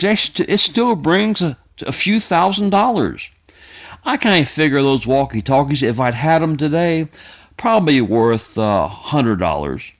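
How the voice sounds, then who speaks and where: A man, rambling casually to his viewers in a folksy, plainspoken way, often halting and circling back over his phrases. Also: on the high side. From United States. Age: 50s. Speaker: video creator. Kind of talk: casual rambling vlog monologue.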